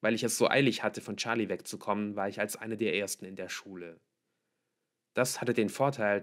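A man's voice: on the low side, fairly bright tone. A man reading a novel aloud as scripted audiobook narration. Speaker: audiobook reader.

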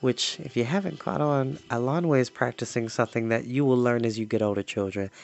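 A young adult man with an American accent, hosting an expressive storytime reading with casual asides. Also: mid-range voice, fairly quick, vocal fry, soft background music. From East Cleveland, United States. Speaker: storytime host. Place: small indoor home room with shelves.

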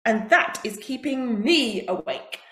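A woman's voice: a little high, lively intonation, slow, fairly bright tone. A woman doing an exasperated sleepy tiger. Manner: exasperated, emphatic pleading. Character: sleepy grumbling male tiger. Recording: roomy echo.

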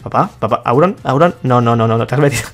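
Laughing young gaming commentator. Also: male voice, mid-range voice, quick pace. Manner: playful, laughs often, reads other players' chat aloud. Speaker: gaming YouTuber. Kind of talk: casual gameplay commentary.

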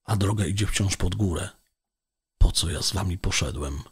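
Mężczyzna czytający powieść jako lektor audiobooka, miarowo i spokojnie. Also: male voice, sits low, normal speed, slightly rough. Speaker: audiobook narrator. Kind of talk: scripted narration of a novel.

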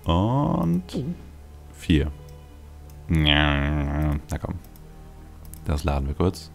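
A man with an extremely low, creaky voice talks casually through a video game as host. His asides are wry and dry-humoured as he thinks aloud. Music plays behind him. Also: wildly swooping pitch, drawn-out words. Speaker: let's play host.

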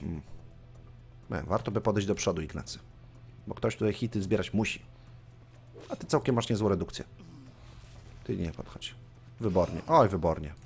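Male let's play host, chatty, casual swearing, very animated pitch, game music faint behind. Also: slightly rough. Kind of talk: casual gameplay commentary.

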